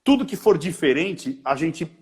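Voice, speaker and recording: Brazilian man, body-language expert, chatty interview explainer who slips into quoted bits; fairly high-pitched, swooping voice. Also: moderate pace. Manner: animated, acts out little quoted dialogues.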